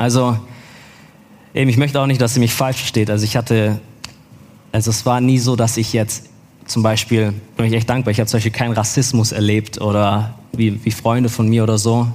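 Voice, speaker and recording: At medium pitch, a man speaks at a fairly quick pace with very even loudness, broken by long, frequent pauses. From Stuttgart, Germany, Ethiopian parents. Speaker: church member sharing life story. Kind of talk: testimony. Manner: animated.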